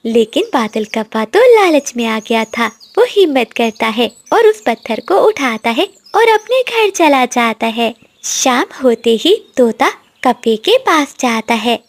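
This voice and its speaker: A woman narrating a cartoon story in a slow, moral-telling storyteller manner. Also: a little high, expressive, creaky, no room sound.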